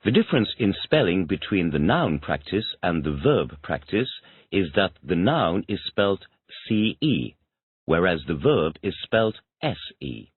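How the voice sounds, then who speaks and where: A man's voice: low voice, sing-song, a little slow, slightly rough, no room sound. A man taking an English lesson, answering each question by repeating it back in complete sentences. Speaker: English student. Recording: tinny phone-like dry audio.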